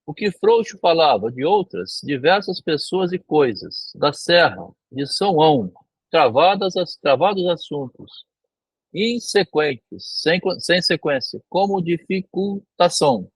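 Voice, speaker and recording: A fairly high, husky Brazilian Portuguese male voice, heard dry and close. He works through a literary passage like a lecturer, reading a line, repeating it, then explaining it in plain words with a checking tag. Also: big pitch swings, a little slow, dry recording, low-quality recording. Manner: rereads phrases and paraphrases them, often tagging "né?".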